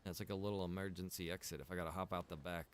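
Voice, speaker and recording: A man with a fairly low voice talks casually as he streams a game. He thinks out loud and rambles between remarks to his viewers. There is faint noise in the background of the recording. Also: fairly even intonation, rapid-fire. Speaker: game streamer and server operator. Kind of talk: casual livestream chat while gaming.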